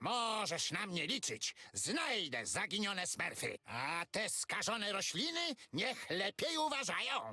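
Using a put-on character voice, a man speaks high in pitch at a fairly slow pace, with very wide pitch swings, very even loudness and a dry, close sound with no echo. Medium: video game.

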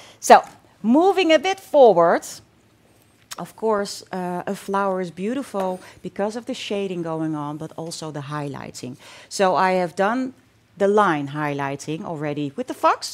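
Speaking at a fairly slow pace in a Dutch accent, a woman swings very widely in pitch and greatly in loudness. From Netherlands. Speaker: nail artist and instructor; instructor. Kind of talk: live demonstration tutorial; tutorial. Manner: hesitant, many fillers. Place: studio. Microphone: headset.

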